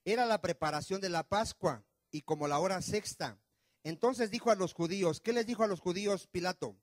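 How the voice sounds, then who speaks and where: In church, a male pastor delivers a fairly quick sermon, firing question after question at his congregation. His voice is fairly high for a man and swings from loud pushes to low murmurs. The recording is dry and close.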